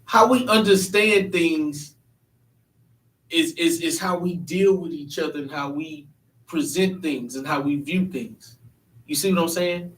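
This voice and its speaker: Earnest man hosting, echoey room. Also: a little high. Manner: earnest, emphatic, often restarting sentences. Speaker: panel host. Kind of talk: church panel discussion. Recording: echoey room, mic at a distance.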